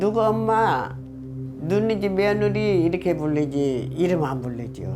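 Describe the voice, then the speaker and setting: Music plays behind a woman whose pitch is very deep and low. Her voice makes very wide pitch swings. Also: fairly slow pace. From South Korea. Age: 80s+. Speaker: film director. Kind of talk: interview answer.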